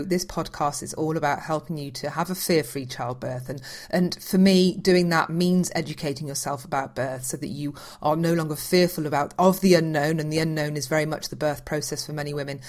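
A woman hosting a podcast talks in a chatty, enthusiastic way. Her voice sits a little low for a woman, and she circles back and repeats herself as she goes. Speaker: podcast host. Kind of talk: podcast intro and interview.

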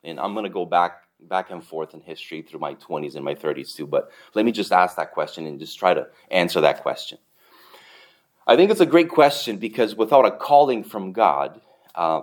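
A man in his forties with a Romanian accent, giving a relaxed, chatty church testimony full of fillers and soft chuckles. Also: low-pitched.

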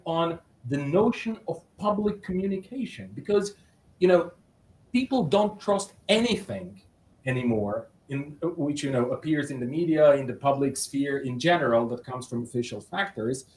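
A man from Bulgaria interviewing a guest over a call, speaking haltingly with many fillers and restarts. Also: fairly high pitch, animated, a little mellow, poor audio. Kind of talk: online interview question.

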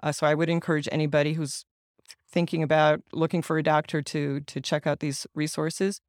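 Middle-aged guy, ukrainian first language, earnest and explaining, keeps restarting, kinda high voice, dry sound. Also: little pitch movement, fairly quick, no room sound. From United States, Ukrainian American family. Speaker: guest, patient advocate and author. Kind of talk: interview answers.

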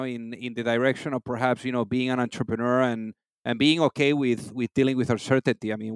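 A man's voice: medium pitch, clear, resonant tone, dry recording. A man hosting an interview podcast, introducing his guest with enthusiasm and asking long, winding questions. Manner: enthusiastic, rambling, filled with "you know". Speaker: podcast host.

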